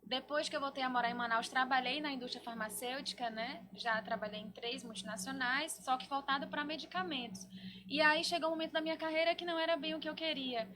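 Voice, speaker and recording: A woman's voice: high voice, fast talker. A Brazilian woman from Maranhão, talking casually as a guest in an interview. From Maranhão, northeastern Brazil. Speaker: cosmetics entrepreneur guest.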